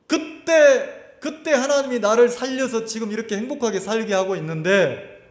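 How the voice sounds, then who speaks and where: A male pastor preaching a sermon, putting rhetorical questions to the congregation and acting out the voices of churchgoers. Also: high voice. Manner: asks the congregation rhetorical questions and answers them; acts out quoted voices of churchgoers. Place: church hall at a summer camp. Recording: echoey hall.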